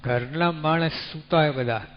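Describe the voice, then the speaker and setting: A man giving a devotional sermon, unhurried and teaching through rhetorical questions and everyday examples. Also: a little high. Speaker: religious speaker. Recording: dull lo-fi recording with faint hum.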